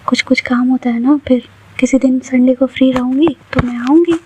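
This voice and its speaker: A woman's voice: high voice, steady tone, normal speed, background noise, natural voice. Woman doing a teasing young friend. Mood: plain. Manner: teasing, light, making excuses. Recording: dull lo-fi recording.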